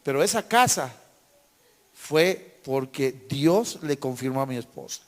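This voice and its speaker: A man with a Mexican accent giving a personal faith testimony to a Christian young adults forum, telling the story in a lively way, often checking in with his listeners and repeating words as he goes. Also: medium pitch, unhurried. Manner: animated storyteller who acts out dialogue and keeps checking with "¿sí?".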